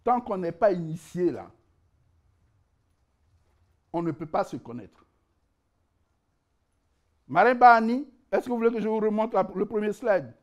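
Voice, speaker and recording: A man with a high-pitched voice delivers a conference lecture with lively energy, joking and laughing at his own asides. He restarts phrases often, repeating words as he works toward a point. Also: measured pace, pauses often. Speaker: conference speaker presenting his book.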